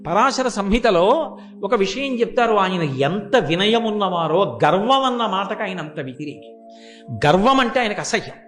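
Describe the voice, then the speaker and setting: High-voiced man telling a devotional story. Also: moderate pace, faint music behind. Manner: animated storyteller acting out characters' quoted words. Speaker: religious discourse speaker.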